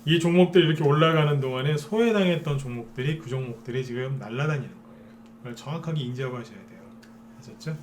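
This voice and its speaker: Male stock-show host, mid pitch, coaxing lecture style, faint hiss underneath. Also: quick pace. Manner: persuasive, keeps asking listeners to agree. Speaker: stock market broadcaster. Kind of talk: live stock trading lecture.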